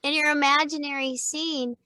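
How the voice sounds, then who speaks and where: A middle-aged woman, a voice-over teacher, chatting in an interview in an animated way, laughing often and acting out example lines. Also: high-pitched, moderate pace, no room sound. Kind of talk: casual interview chat.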